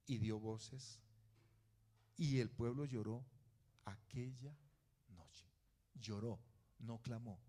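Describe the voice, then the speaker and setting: A man's voice: medium pitch, dark tone. A male pastor, preaching a sermon with rising fervor and rhetorical questions.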